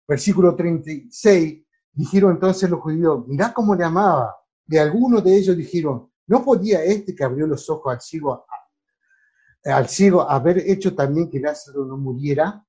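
A male preacher delivers a sermon in a mellow, somewhat high voice that swings widely in pitch. He reads scripture aloud, calls out verse numbers to the congregation, and stresses points with emphatic exclamations. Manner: emphatic, exclaiming, asks listeners to read verses. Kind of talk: sermon with Bible reading.

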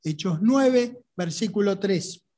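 A woman's voice: mid-range voice, animated, slow pace, warm tone. Rioplatense woman preaching a Bible lesson. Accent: Rioplatense Spanish. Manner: conversational, asks the audience rhetorical questions. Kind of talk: Bible teaching sermon.

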